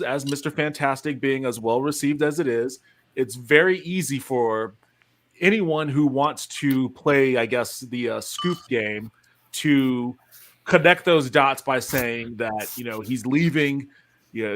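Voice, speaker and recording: Hesitant man thinking out loud. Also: medium pitch. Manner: hesitant, filler-heavy, thoughtful. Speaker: panelist. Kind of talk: live stream discussion.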